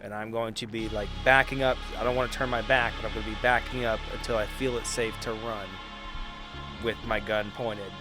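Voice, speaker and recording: A man playing a tabletop roleplaying game, talking casually and a little haltingly, slipping in and out of character. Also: lowish voice, little pitch movement. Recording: music behind. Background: background music.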